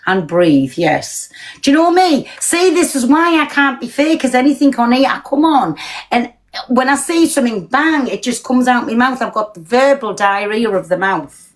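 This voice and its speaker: A woman's voice: high-pitched, animated, low-quality recording. A British woman ranting bluntly and swearing as she talks live to her viewers. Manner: blunt, sweary, fast-talking and confrontational. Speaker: TikTok live streamer. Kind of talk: ranting live stream chat.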